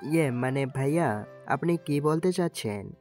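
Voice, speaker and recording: A man's voice: medium pitch, lively intonation, a little slow, a little mellow, natural voice. A man playing an anxious, ordinary college student in an audio story, earnest and pleading in his delivery. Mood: nervous. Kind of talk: Bengali audio story acting and first-person narration. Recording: music under the voice.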